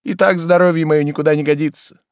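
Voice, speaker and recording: A man reading an audiobook voices a petulant idle gentleman who whines and scolds his servant. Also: sits high, moderate pace, no room sound, studio quality, pitched above the performer's own voice. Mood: exasperated. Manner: whiny, exasperated, raised and pleading. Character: petulant idle middle-aged gentleman, easily vexed.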